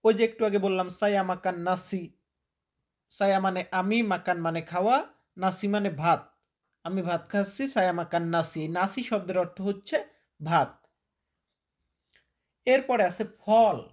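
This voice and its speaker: A man's voice: high-pitched, measured pace, long pauses. A man teaching vocabulary, repeating each word and quizzing the listener. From Bangladesh. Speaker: language teacher. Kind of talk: vocabulary lesson.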